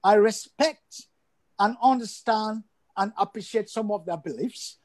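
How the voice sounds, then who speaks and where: An older man with a high-pitched voice speaks at a measured pace as a guest in an interview over video call from an indoor room at home. He is emphatic and repeats phrases for stress.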